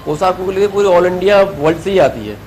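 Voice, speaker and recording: A man's voice: sits high, animated, fast, a little mellow, rough recording. Man, costume maker, brief matter-of-fact replies, background noise. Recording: outdoor noise with birds.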